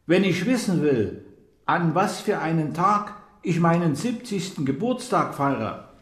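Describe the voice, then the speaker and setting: Male actor for stiff, courteous government official, radio drama; high voice, deliberate delivery, roomy echo. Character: formal, courteous government official chairing a secret briefing. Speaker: official leading a project briefing. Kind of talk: formal, measured radio drama speech.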